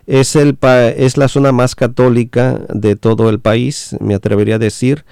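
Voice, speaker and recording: A man hosting a radio talk, interpreting, halting and full of fillers. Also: medium pitch, level tone, creaky, a little mellow, clean tone, no echo. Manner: many fillers and restarts, slow and halting.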